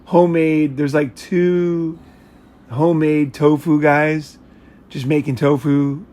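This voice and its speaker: A man's voice: a little high, level tone, slow pace, warm tone. An American man chatting casually in a rambling, blunt way, with frequent swearing. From United States. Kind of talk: casual chat.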